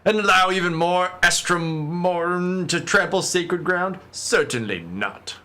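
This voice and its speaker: Fierce tribal spear hunter played by a man, bright forceful voice, taunting, hammy amateur delivery for a fantasy game. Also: high voice, slow, faint music behind, voice pushed up, exaggerated voice. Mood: scornful, proud. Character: menacing fierce tribal hunter guarding ruins, grinning with spear.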